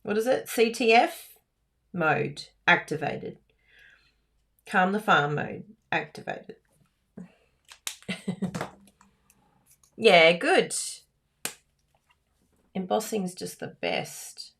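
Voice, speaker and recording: A woman with a croaky voice, hosting a live card-making class in a chatty, giggly, self-teasing way. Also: mid-range voice, very animated, drawn-out words, long pauses, fairly bright tone. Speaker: card-making instructor and livestream host. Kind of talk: live craft class chat.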